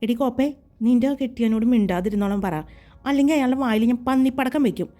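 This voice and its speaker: A woman's voice: on the high side, fast, mellow, faint music behind, natural voice. A woman voicing a feisty young woman friend who talks bluntly and scolds, in a story reading. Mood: scolding.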